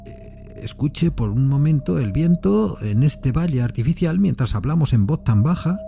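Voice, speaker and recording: An actor playing a composed, rational gentleman who narrates an eerie literary tale in a measured, deliberate way. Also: fairly high pitch, very animated, vocal fry, faint music behind. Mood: uneasy, reasoning. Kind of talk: literary first-person narration in audio fiction.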